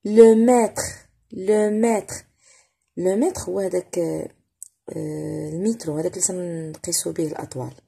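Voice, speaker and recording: A woman with a Moroccan accent teaching French reading, saying each word slowly and twice and explaining in Darija. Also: fairly low pitch, gravelly, warm tone, husky. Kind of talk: slow reading lesson, repeating words for learners.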